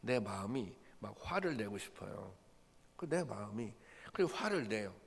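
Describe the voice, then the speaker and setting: In a church sanctuary with long hall reverb, a pastor preaches at a dawn prayer service, earnest and repetitive, building to emphatic peaks. His voice is on the low side, sing-song, creaky and husky at a moderate pace.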